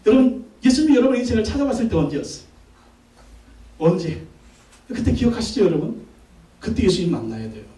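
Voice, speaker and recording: A man's voice: high-pitched, sing-song, quick pace, pauses often, dark tone. A male pastor preaching a sermon in a church, emphatic, often calling out to the congregation and acting out quoted voices. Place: church sanctuary. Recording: echoey church from far off.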